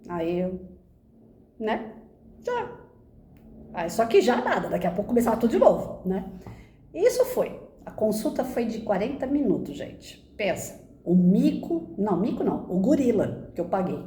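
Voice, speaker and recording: Brief: Brazilian woman, personal testimony, mellow warm tone, animated storytelling, roomy echo. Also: mid-range voice, moderate pace, slight background noise. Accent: Brazilian Portuguese. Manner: expressive, animated retelling with frequent "né?". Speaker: speaker giving a personal testimony.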